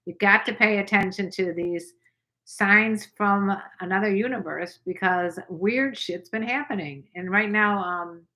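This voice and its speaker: An older woman hosting a casual livestream chat, rambling with quick asides. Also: mid-range voice, bright, forceful tone, poor audio. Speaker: channel host.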